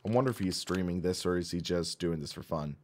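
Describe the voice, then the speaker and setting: Hoarse man chatting through a stream. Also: deep voice, fast, a little mellow. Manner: chatty, thinks aloud while clicking menus. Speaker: sim racing streamer. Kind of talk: casual live-stream commentary.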